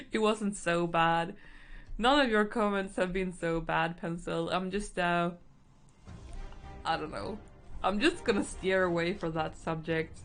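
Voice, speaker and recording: A young woman streaming while she paints, chatting casually and thinking out loud, with lots of fillers and giggles. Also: on the low side. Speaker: artist streaming a painting session. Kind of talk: casual stream-of-consciousness chat. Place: indoors at home. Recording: faint background music.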